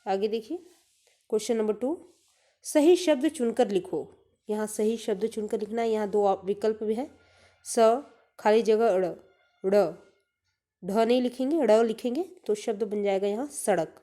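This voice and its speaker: A woman teacher giving an online lesson to young children, reading out words slowly and clearly for pupils. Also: fairly high pitch, mellow.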